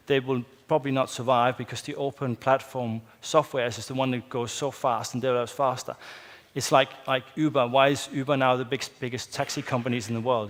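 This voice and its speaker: Danish man speaking in a reverberant hall. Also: mid-range voice. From Denmark. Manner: hesitant, many fillers, tag question "yeah?". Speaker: conference speaker. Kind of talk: conference talk. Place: large hotel conference hall stage. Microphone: headset or lapel mic, far camera.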